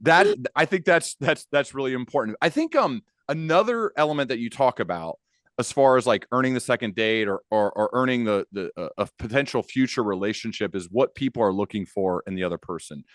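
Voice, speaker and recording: A man's voice: medium pitch, expressive, fairly quick, fairly bright tone, no echo. A man with a mid-range voice hosts a podcast in a dry, close-sounding recording. He chats casually and informally, telling small anecdotes and acting out imagined remarks as he builds toward his questions. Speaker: podcast host. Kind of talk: casual interview chat.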